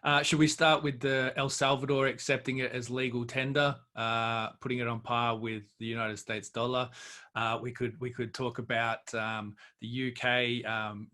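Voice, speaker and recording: Bright, forceful man, halting delivery. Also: mid-range voice, little pitch movement. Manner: halting, searching for words. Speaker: guest cryptocurrency expert. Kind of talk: off-the-cuff interview commentary.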